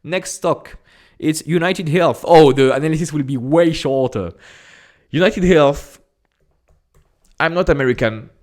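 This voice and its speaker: A man from France with a strong French accent, talking casually and directly to camera as an investing YouTuber, repeating phrases and often pausing on "uh". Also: a little high. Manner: chatty and direct, repeats phrases, frequent "uh" fillers.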